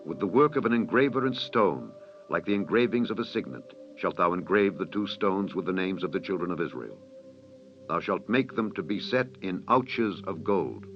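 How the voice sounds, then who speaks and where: A man narrating scripture as an audiobook, in a solemn, measured, formal and declamatory style. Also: lowish voice. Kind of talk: solemn scripted Bible reading. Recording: dull lo-fi audio with music behind. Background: clear background music.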